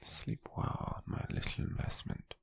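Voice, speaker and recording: A British man voices a possessive, calculating nobleman who buys captives at auction, in an intimate ASMR roleplay recorded dry on a close mic with no room sound. He speaks a little slowly in a breathy, husky, gravelly low murmur that is soft, menacing, condescending, and quietly possessive. The acting is light.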